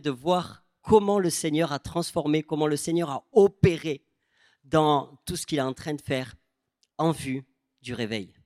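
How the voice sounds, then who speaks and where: Preacher from southern France, southern accent. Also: male voice, fairly high pitch, no echo, clean studio sound. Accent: southern French. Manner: animated storytelling, quoting people in changed voices. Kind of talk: sermon.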